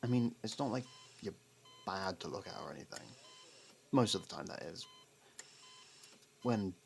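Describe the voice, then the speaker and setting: A man playing a sardonic, guarded ex-prisoner who reluctantly worries about a partner, in a halting, intimate ASMR roleplay monologue. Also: on the low side, expressive, vocal fry, slight background noise. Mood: dry, teasing.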